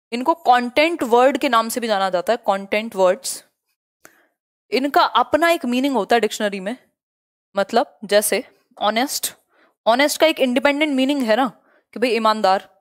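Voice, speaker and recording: A young woman teaching English pedagogy in a live online class, mixing Hindi and English. She checks often whether her students follow and reads definitions out slowly. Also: a little high.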